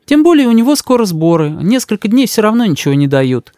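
A man voicing an anxious, tearful young mother who talks in a pleading, soft-hearted way. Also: high voice, big pitch swings, brisk, no echo, clean studio sound, voice pushed up. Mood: agreeing.

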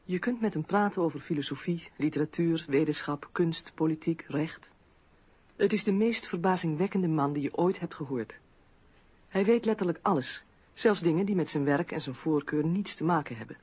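A woman's voice: sits low, normal speed, darkish tone, husky, no echo, dull audio. A woman playing an admiring eighteenth-century French salon hostess, reading out a portrait in an articulate way for radio drama.

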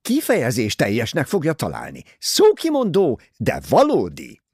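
A man's voice: mid-range voice, wildly swooping pitch, a little mellow, breathy edge, no echo, studio quality, pitched above the performer's own voice, exaggerated voice. A man doing a pompous complaining older lady. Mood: insistent. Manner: insistent, complaining. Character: pompous older woman novelist, overbearing, self-pitying.

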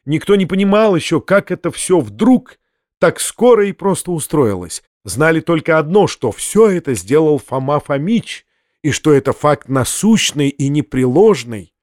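Male narrator, slightly high, expressive measured reading, dry studio sound. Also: dry recording. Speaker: audiobook narrator. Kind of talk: literary audiobook narration.

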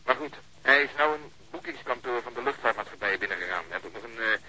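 A man's voice: mid-range voice, lively intonation, fast, bright, forceful tone, slight background noise, poor audio. An actor playing a wisecracking policeman on surveillance in a radio drama, with a sardonic, joking manner. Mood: brisk, amused. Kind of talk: naturalistic radio drama dialogue.

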